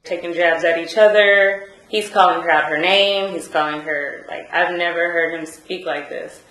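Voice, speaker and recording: A woman's voice: fairly low pitch, steady tone, moderate pace, a bit bright, roomy sound, poor audio. A woman giving hesitant courtroom testimony, full of fillers and restarts. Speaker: trial witness.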